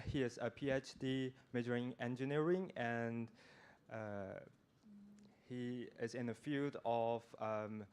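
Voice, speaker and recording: A young man speaks slowly in a smooth, clear voice. He gives a casual self-introduction, pausing often on fillers and restarting his sentences. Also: mid-range voice, darkish tone. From China. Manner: hesitant, many fillers and restarts. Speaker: participant introducing himself.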